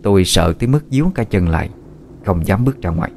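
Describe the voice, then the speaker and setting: A man reading a scripted horror story in a steady, somber way. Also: sits low, quick pace, slight background noise.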